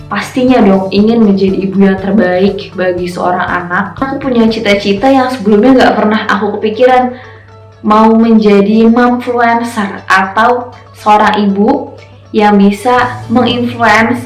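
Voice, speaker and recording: A young woman in her twenties gives an earnest interview testimonial about motherhood and her work. Her voice carries a roomy echo, and soft music plays underneath. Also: mid-range voice. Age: 20s. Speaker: teacher and mother.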